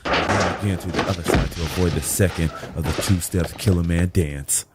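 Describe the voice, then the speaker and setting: A man's voice: deep voice, steady tone, fairly quick, heavy background noise, close to an everyday voice. A man playing a hard-boiled, wry survivor who narrates a brawl in a first-person audio drama. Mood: tense, wry. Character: gritty male purge-night survivor narrating a rooftop brawl.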